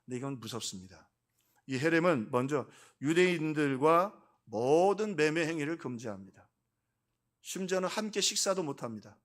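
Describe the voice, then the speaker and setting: A middle-aged male pastor delivering a Sunday sermon in a church sanctuary. His voice sits a little high for a man, and he tells the story by voicing its characters himself. He drops to a hush on some lines and then comes back loud and emphatic. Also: animated, normal speed. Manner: storytelling preacher, acts out dialogue, swings between hushed and emphatic. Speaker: senior pastor.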